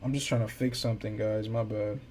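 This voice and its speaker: A man's voice: on the low side, fairly even intonation, fairly quick, dark tone, a little hiss or hum. A young man hosting a casual commentary stream, talking in slang with stammered restarts and hyped asides. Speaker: host.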